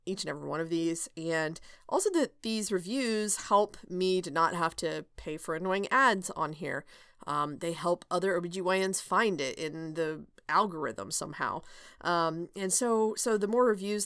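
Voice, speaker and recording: A woman's voice: lowish voice, fairly bright tone, smooth, no echo, studio quality. A woman hosting her own podcast, talking casually and candidly with lots of fillers, restarts and light laughs. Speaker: podcast host and OB/GYN. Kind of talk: casual solo podcast chat.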